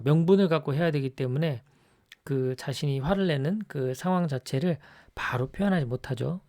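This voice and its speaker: A man giving an explanatory lecture on personality types in a conversational way, often checking in with the listener with a quick rising tag. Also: creaky. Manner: acts out scolding examples in a louder, higher voice.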